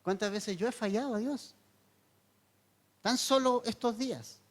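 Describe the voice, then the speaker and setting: A man's voice: extremely high pitch, a little slow. A man, a pastor, giving a verse-by-verse sermon in an earnest, explanatory teaching tone, asking his listeners questions and repeating key points.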